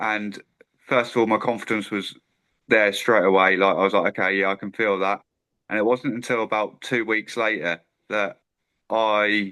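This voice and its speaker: A man with an East Anglian accent speaks at a moderate pace in a fairly low, bright, sharp tone with monotone, flat intonation. Long, frequent pauses break his speech against a quiet background. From eastern England, Suffolk. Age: 30s. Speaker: trainee hypnotist. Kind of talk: casual interview, personal story. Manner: hesitant, many fillers.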